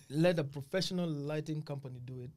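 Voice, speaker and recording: A man from Kenya and Uganda, a musician guest on a podcast, talking casually in a relaxed, hesitant way with frequent laughs. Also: fairly high pitch, normal speed, slight background noise.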